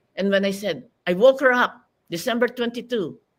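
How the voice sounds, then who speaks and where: A woman with a Filipino accent speaks at a moderate pace with lively intonation. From Philippines. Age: 80s+. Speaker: business executive. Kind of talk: interview.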